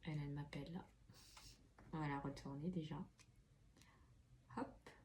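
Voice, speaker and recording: A woman's voice: sits low, fairly even intonation, normal speed, darkish tone. A woman reading oracle cards in a casual, chatty way, full of fillers and restarts, in a room with an open window. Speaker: tarot card reader. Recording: faint street noise through window.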